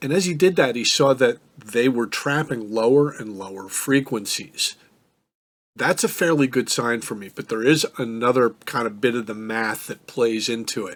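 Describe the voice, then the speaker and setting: In a very clean recording with a silent background, a man of medium pitch talks at a moderate pace with ordinary pitch variation and big shifts in loudness. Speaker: recording studio youtuber. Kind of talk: tutorial. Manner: casual.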